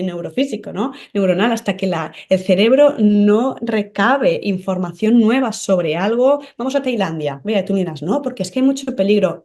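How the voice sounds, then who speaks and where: A woman in a podcast conversation who speaks at a middling pitch with an earnest, explanatory manner. She walks through her ideas step by step, regularly checking in with the listener with short questions, in the steady tone of someone used to giving spiritual guidance. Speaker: medium and psychic guest.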